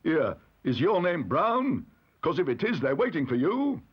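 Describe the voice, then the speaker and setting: A brusque, plain-spoken court usher, put on by a man reading a storybook. He sounds high, loud and husky. The recording is dull and lo-fi. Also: very animated, unhurried, heavily acted. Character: brusque working-class male court usher.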